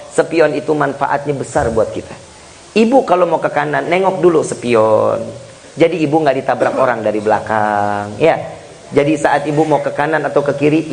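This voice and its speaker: A male preacher giving a humorous sermon, speaking straight to the congregation with loud bursts and hushed asides. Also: a little high, creaky, low-quality recording. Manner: jokey, animated, swings between loud and hushed; addresses listeners directly as Pak and Bu.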